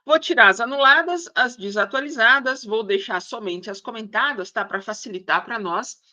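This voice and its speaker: A woman walks through practice questions in a casual, chatty way, often pausing to think out loud. Her voice is bright and forward and sits a little high. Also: highs cut off. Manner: chatty, thinks aloud, keeps asking "tá?". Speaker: exam prep teacher. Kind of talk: screen-share lesson.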